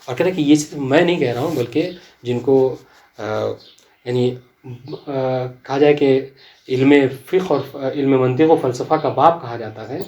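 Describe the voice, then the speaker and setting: A man's voice: mid-range voice, mellow. Man teaching, quizzing his class. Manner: quizzes students, checks understanding often; recites Arabic text then explains it. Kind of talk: classroom lecture on legal theory.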